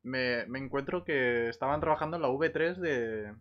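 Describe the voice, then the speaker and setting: A man with an accent from Spain, bantering casually and excitably in a gaming voice chat, often joking. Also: mid-range voice, moderate pace, lo-fi sound. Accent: Spanish, from Spain. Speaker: gaming streamer.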